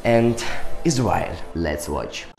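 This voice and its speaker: A man in his twenties from Ukraine, a native Russian and Ukrainian speaker, giving an excitable reaction commentary in simple English with small slips. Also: deep voice, slow, vocal fry, reverberant, over music. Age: 20s. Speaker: music reaction vlogger. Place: small indoor room with ornate sofa.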